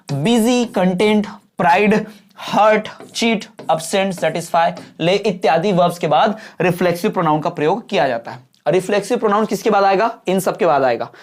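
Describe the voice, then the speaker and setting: A man teaching an online exam-prep grammar class, checking in often and spelling out English examples slowly, word by word. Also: high-pitched.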